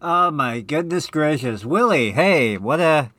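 A man's voice: fairly high pitch, animated, a little slow, pushed and bright, dry recording, studio quality. A man hosting a radio show in a casual comedic style, fussy and hesitant. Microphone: close studio microphone.

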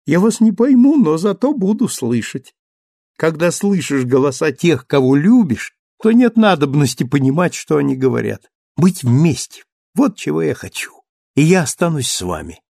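A man's voice: a little high, moderate pace, creaky, slightly rough, no echo, clean studio sound, voice pushed up, full character voice. A man voicing a playful, petulant young wife who coaxes and pouts. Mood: pouting, coaxing. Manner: coaxing, pouting, lively.

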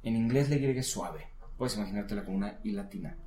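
A man giving a casual one-on-one English lesson, patiently coaching and modelling words slowly. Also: lowish voice, dark tone, reverberant, slight background noise. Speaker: English teacher.

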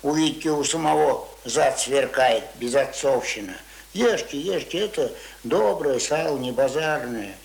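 A man's voice: mid-range voice, a little slow, vocal fry. An actor playing a stubborn, uneducated old village man in a radio play, grumbling in folksy, colloquial speech. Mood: gruff, grudging. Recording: roomy radio play recording, faint noise.

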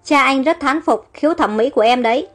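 A smooth, coaxing rich young man from a storybook, voiced by a woman narrator, with faint music under him. He talks his way around people easily. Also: high voice, fairly quick, close to an everyday voice.

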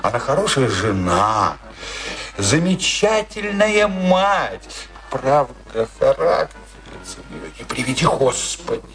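Slow, moody, embittered ageing husband. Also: male voice, mid-range voice, sing-song, a bit bright, full character voice. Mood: sardonic grumbling. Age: older. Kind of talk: radio play acting.

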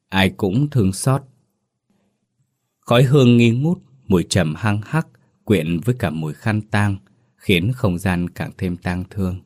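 A man with a very low voice narrates a sorrowful village ghost story. His delivery is solemn and mournful, paced like a scripted audiobook. The tone stays heavy and grave throughout.

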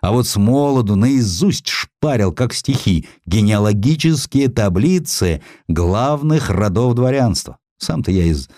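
A man's voice: fairly low pitch, expressive, unhurried, few pauses, dark tone, no echo, studio quality, pitched above the performer's own voice. A man voicing a grumpy, elderly Russian general turned editor in an audiobook, with a plaintive, old-fashioned colloquial way of talking. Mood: modest, aggrieved. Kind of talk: audiobook character acting.

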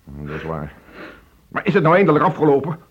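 A man acting a frustrated divorced father in a Dutch radio play, reproachful and emotional, halting when upset. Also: fairly high pitch, huge pitch swings. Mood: heated. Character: frustrated divorced father pleading with his teenage son. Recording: dull, muffled old radio play recording.

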